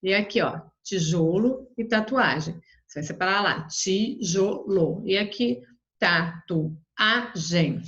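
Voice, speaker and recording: Brazilian woman teacher, patient step-by-step explainer, mid-pitched voice, dull lo-fi sound. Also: expressive, normal speed, few pauses, a bit bright. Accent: Brazilian Portuguese. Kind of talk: homework walkthrough for young pupils.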